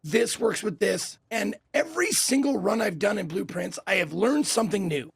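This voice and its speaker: A hoarse man with a raspy, gravelly voice that sits high for a man and swings up and down a lot. He talks about games with a joking, animated push, as if he is handing out tips to friends. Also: normal speed, no echo, clean studio sound. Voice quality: raspy, strained voice. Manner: animated, advice-giving, jokey and profane. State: hoarse, having a bad voice day. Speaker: podcast co-host. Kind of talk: casual gaming podcast chat.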